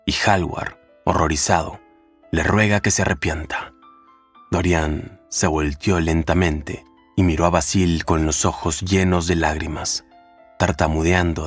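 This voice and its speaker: Deep-voiced man narrating a book summary. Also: breathy edge.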